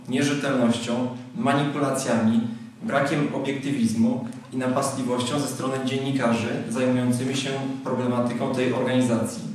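A young man at a lectern in a large hall, reading a prepared speech in a formal, measured way. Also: medium pitch, a little hiss or hum. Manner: formal, measured delivery from a script. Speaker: speaker at a convention. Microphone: lectern microphone. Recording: very echoey hall, mic at a distance.

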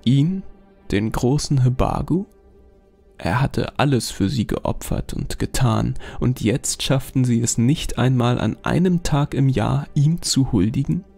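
Male narrator, horror story, measured delivery, gravelly voice, mellow tone. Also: mid-range voice. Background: faint music.

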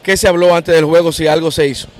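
A man with a Dominican accent, a sports reporter putting brisk questions to a manager after a game. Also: a little high, fairly even intonation. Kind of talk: post-game interview questions. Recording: outdoor recording with some noise.

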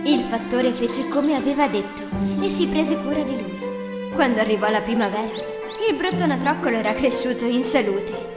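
A woman's voice: a little high, normal speed, echoey room, big-room sound, over loud music. A woman narrating a children's fairy tale in a scripted storybook style.

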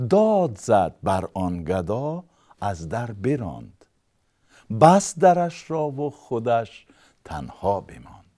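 A Tajik-accented man with a lowish, dark-toned voice narrates a long story poem. His delivery is chanted and rhythmic, with a sing-song quality.

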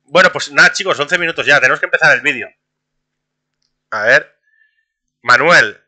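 A young man, streaming a game and talking to his chat in a casual, excitable way, laughing often. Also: fairly high pitch, normal speed. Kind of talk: casual gameplay commentary.

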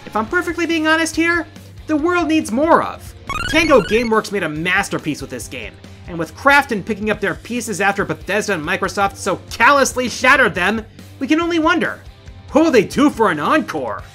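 A man's voice: high voice, pushed and bright. A middle-aged man hosting a gaming countdown, reading scripted narration in an emphatic, playful showman's manner. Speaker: host of a video game countdown show. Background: music behind the voice.

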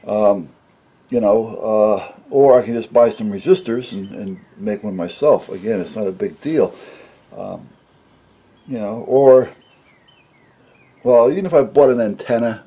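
Middle-aged man, mellow and husky, casual hands-on explainer, rambling, matter-of-fact. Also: lowish voice. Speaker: hobbyist radio repairer, presenter. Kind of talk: casual unscripted repair walkthrough. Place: indoors at a workbench.

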